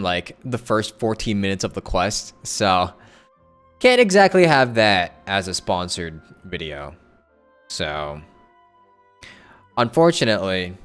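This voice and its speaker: Over background music, a man casually chats with his livestream audience as a content creator. His voice is fairly low, smooth and a bit bright, and his talk wanders as he thinks aloud and self-corrects.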